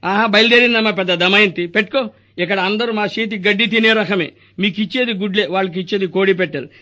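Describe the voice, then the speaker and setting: A man's voice in a comic sketch, rattling off teasing, bossy lines at a fast clip. It sits high and has a bright, forceful edge throughout. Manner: mocking, bossy, rapid comic banter. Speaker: comic actor playing a corrupt hospital doctor.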